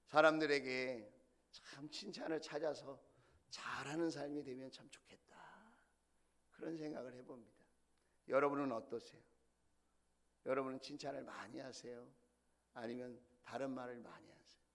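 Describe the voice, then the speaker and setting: A man's voice: mid-range voice, steady tone, moderate pace, pauses often, a bit bright. A middle-aged male senior pastor delivering a sermon, telling stories with animation and putting questions to the congregation.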